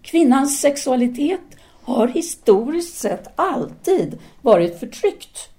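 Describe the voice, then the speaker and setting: Actress as a mellow, self-assured intellectual Frenchwoman. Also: high voice, very animated. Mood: firm, didactic. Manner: didactic, deliberate, teasing. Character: self-assured, seductive intellectual Frenchwoman, outspoken feminist free thinker. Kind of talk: audio drama dialogue.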